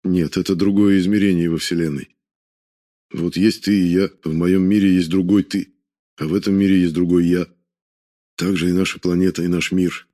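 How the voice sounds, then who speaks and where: A man voicing a guarded soldier from a parallel world who answers in a measured way. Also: low voice, flat delivery, warm tone, close to an everyday voice. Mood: explaining. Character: guarded Russian soldier from another world, male.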